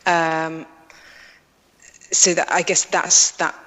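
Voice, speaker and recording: A council officer calmly explaining a budget point to a committee in a measured way. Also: medium pitch. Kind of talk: answering committee questions. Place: council chamber. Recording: reverberant chamber webcast.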